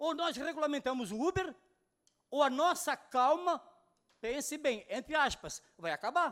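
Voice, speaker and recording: The speaker has an animated tone, ordinary pitch variation and a moderate pace. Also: man. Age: 60s. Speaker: taxi driver. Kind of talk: public hearing speech. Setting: council chamber, microphone.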